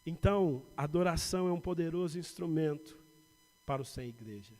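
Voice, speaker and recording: A man's voice: fairly high pitch, fairly quick. Brazilian man preaching in a reverberant church. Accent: Brazilian Portuguese, São Paulo. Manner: preaching with rising emphasis and quiet asides. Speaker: pastor. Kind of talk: sermon. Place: church sanctuary.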